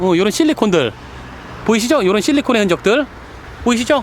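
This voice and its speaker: A man with a high pitch speaks with very wide pitch swings over noticeable background noise. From South Korea. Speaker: used car exporter. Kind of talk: car inspection walkaround. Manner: pronunciation slips and repeats when hungry; casual, filler-heavy.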